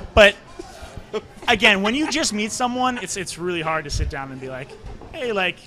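A man's raised, projected voice, high in pitch, with an American accent, very wide pitch swings, a moderate pace, long, frequent pauses and light background noise. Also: big swings in loudness. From Washington state, US. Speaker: professional soccer player; podcast guest. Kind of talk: casual chat. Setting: pub. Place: home room. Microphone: handheld.

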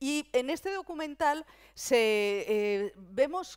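A woman against a quiet background. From Madrid, Spain; Spain. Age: 50s. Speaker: film critic and journalist; journalist. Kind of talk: conference talk. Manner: animated. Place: stage. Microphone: headset.

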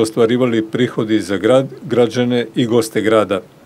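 A man at medium pitch, talking at a fairly quick pace, with noticeable background noise. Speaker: news reporter. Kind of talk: news reading. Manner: formal.

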